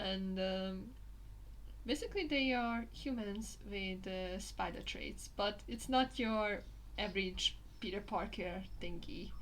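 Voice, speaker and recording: Speech in a Hungarian accent comes at a very slow pace. Audible room echo surrounds it. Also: woman. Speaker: streamer and artist. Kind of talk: casual live stream chat. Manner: halting, searching for words.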